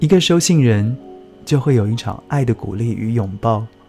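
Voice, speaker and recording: Over background music, a man speaks at a fairly slow pace with a medium pitch. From Taiwan. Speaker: author and storyteller reading his own picture book aloud. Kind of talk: picture-book reading aloud, storytelling narration. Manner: gentle, warm storytelling.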